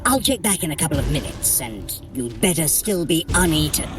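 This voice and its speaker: Haughty, wildly expressive trickster god. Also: female voice, deep voice, normal speed, music in the background. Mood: flustered, alarmed. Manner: theatrical, condescending, with flustered hesitations. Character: haughty, sardonic trickster god, grudgingly guiding a mortal. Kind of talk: scripted audio adventure acting.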